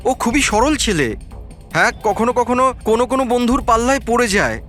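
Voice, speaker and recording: Casting: earnest, respectful defender in a crime serial, high male pitch, quick delivery. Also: expressive, fairly bright tone, soft background music. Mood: earnest, insistent. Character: earnest, deferential man defending a young lad. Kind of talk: TV crime drama acting.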